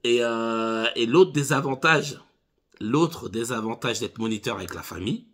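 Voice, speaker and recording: A man in his thirties with a medium-pitched voice and a measured pace. He's a driving instructor casually telling funny stories to camera, animated as he calls his viewers "les gars."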